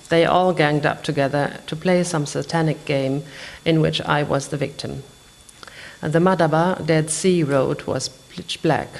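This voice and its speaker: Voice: medium pitch, creaky. A reader at a live literary event, reading prose aloud from a novel in English.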